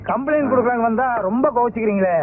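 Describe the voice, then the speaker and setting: A simple-minded villager who rambles innocently as he makes a complaint. His voice is high, and the sound is thin and phone-like with a faint hiss, like an old film. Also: rapid-fire. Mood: naive. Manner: naive and rambling. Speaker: villager reporting a lost cow.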